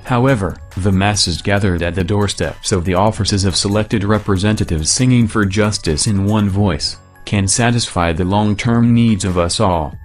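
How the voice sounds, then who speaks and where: A man reading a scripted political statement in a measured, declamatory way, his voice disguised by being pitched down deep. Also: faint music behind.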